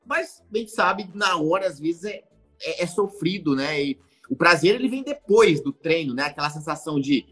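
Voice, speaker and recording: A man's voice: a little high, animated, moderate pace, a bit bright, husky, soft background music. A man hosting a fitness live stream, thinking aloud with many fillers. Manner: thoughtful, hesitant, with many fillers. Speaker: host of a fitness channel. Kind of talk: casual live-stream chat.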